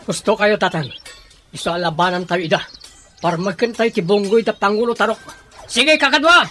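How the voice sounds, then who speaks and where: A man's voice: sits high, moderate pace, sharp tone. A man with a Filipino accent acting a loyal, eager young tribal warrior in an audio drama. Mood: earnest. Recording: voice over background music.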